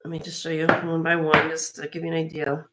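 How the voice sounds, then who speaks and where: A woman with a low, slightly raspy voice and a fairly bright tone hosts a live jewelry sale, talking a little fast in a completely flat delivery. She chats casually and admiringly as she shows off each piece in this show-and-tell product presentation, with frequent fillers and restarts.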